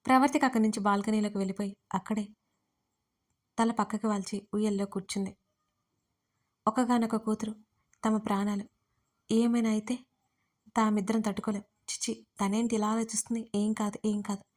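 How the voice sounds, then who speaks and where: Woman narrating an audiobook in a flat voice. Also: medium pitch, fairly quick, pauses often. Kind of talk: scripted storytelling narration.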